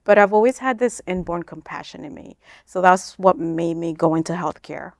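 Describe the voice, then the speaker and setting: A woman from Kenya speaks as an interview guest, on the lower side in pitch. She explains things informally, peppering her sentences with "like" and "you know". The sound is dry, with very little room in it. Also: normal speed, gravelly, no room sound. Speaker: interview guest, nonprofit founder. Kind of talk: conversational interview answers.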